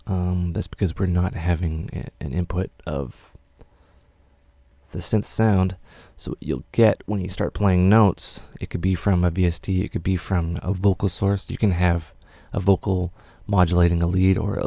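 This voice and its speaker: A man's voice: low-pitched, normal speed, gravelly, warm tone, no echo. A man teaching music production in a casual, rambling tutorial with many fillers.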